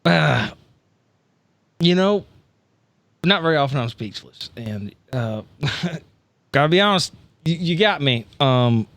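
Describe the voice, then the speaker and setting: A man's voice: on the high side, expressive, slow, vocal fry, pauses often, fairly bright tone, no echo. A man playing a tabletop game, improvising casually in his everyday voice with a wry, hesitant, rambling delivery.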